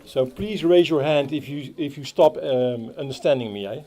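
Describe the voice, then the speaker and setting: A man with a Dutch accent giving a halting speech at a playground opening, with many fillers and restarts. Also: medium pitch, warm tone. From Netherlands. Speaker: Rotary club speaker. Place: outdoor playground.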